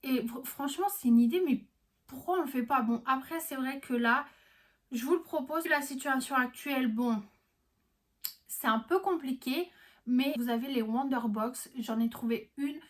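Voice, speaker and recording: A woman's voice: high voice, moderate pace. A young woman vlogging casually, chatty and enthusiastic, with many fillers and restarts. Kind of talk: casual gift-guide vlog.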